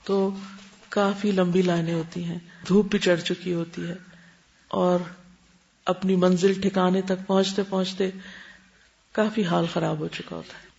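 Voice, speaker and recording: Female religious teacher, explanatory lecture, asks quick check questions, muffled lo-fi sound. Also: on the low side, little pitch movement, vocal fry, a little mellow. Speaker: Islamic teacher. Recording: dull lo-fi recording.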